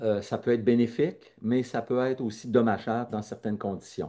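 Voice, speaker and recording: At a moderate pace, a man talks in a medium-pitched voice with a dark, mellow tone over a quiet background. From Quebec, Saguenay. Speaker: neuroscience researcher. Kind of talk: lecture. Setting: webinar video call. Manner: halting, many filler sounds.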